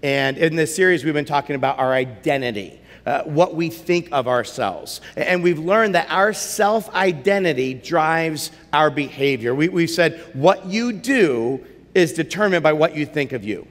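Male pastor, storytelling sermon, high-ish voice, long church-hall reverb. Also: moderate pace. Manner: animated storyteller, rising for action and dropping low for quiet moments. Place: church auditorium.

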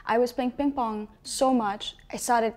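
A woman's voice: fairly high pitch, steady tone, unhurried, darkish tone. A young woman from Nepal, a jewelry designer guest in a studio interview, telling stories in a wry, self-mocking way. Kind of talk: casual interview chat. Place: dark studio set, indoors.

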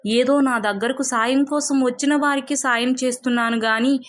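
A woman's voice: sits high, fairly even intonation, moderate pace, voice pushed up, natural voice. A woman voicing a humble, kind-hearted village man in a storybook tale, respectful and earnest.

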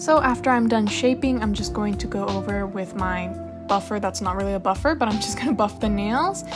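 A woman's voice: medium pitch, a little fast. A young woman chatting casually in a voice-over for her nail tutorial, rambling into asides and laughing often. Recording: voice-over with faint music.

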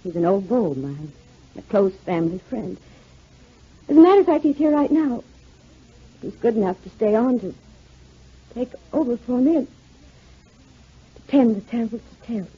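A muffled old radio recording of a genteel married lady. She speaks in a breathy, high voice with the dramatic, evasive politeness of 1940s radio acting. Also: big pitch swings, normal speed, pauses often, exaggerated voice. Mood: subdued shock.

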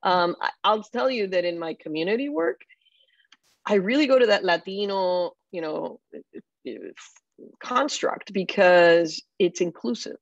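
Joining a panel by video call from a bookshelf-lined room at home, a woman in her fifties from Puerto Rico, who holds elected office, reflects frankly and says "you know" a lot. She has a mid-range voice and a measured pace. Her webcam captures dull, dry sound with no echo.

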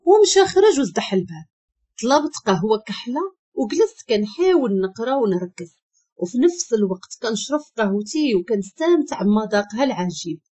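A woman with a Moroccan accent narrating a first-person story in a lively, expressive way. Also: medium pitch, fairly quick, slightly rough. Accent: Moroccan Arabic.

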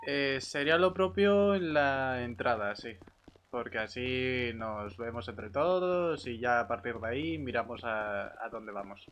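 A man's voice: mid-range voice, animated, a little slow, fairly bright tone, a little hiss or hum. A man chatting casually in character while playing an online roleplay game, speaking into a close microphone.

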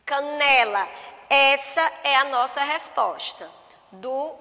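Brazilian teacher lady, high voice, slow and patient with little kids, lots of reverb. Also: pushed and bright. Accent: Brazilian Portuguese. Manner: patient, drawn-out words, spelling sounds slowly for children. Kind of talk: remote lesson for first graders.

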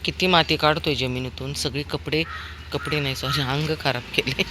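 A woman with a hoarse voice from a cold, talking casually while she walks her dog outdoors and fondly scolds it. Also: extremely low pitch, fairly even intonation, normal speed, background noise. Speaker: dog owner vlogger. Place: outdoors in a housing society.

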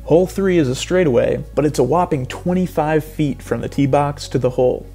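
Guy doing fake golf commentary, kinda high voice, earnest broadcaster delivery, a little music under it. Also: brisk. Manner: earnest play-by-play, building to excited outbursts. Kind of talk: parody sports commentary.

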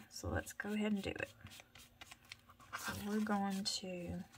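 A woman's voice: mid-range voice, vocal fry, fairly bright tone, slight background noise. A woman with a thick Southern accent chatting casually through a craft tutorial, muttering and mumbling with rambling asides. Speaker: crafter vlogger.

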